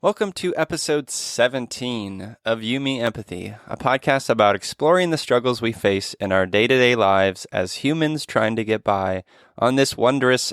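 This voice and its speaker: A man hosting a podcast about mental health, talking in an earnest, gentle way with frequent restarts and fillers. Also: mid-range voice, clean tone, no room sound, studio quality. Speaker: podcast host. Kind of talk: casual podcast chat.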